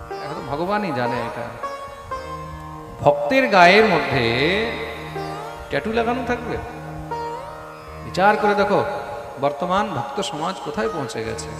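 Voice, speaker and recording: A male preacher giving a devotional sermon, asking rhetorical questions and answering them himself with scolding emphasis. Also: high-pitched. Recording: echoey hall with music behind.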